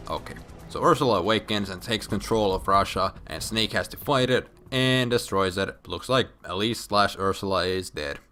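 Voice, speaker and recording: Drunk man ranting, low forceful voice. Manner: drunk, rambling, profane, with emphatic outbursts. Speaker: video game storyline explainer. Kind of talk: casual comedic story recap. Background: background music.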